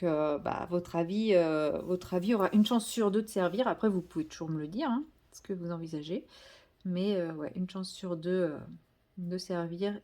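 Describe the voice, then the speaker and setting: A woman's voice: mid-range voice, warm tone. A woman chatting casually to viewers while she colours, rambling and correcting herself as she goes. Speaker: vlogger.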